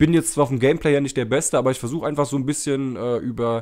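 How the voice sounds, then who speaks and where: A man talks very fast at a medium pitch with ordinary pitch variation, captured in a very clean recording against a silent background. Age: 30s. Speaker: YouTuber, gaming channel. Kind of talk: casual monologue to viewers.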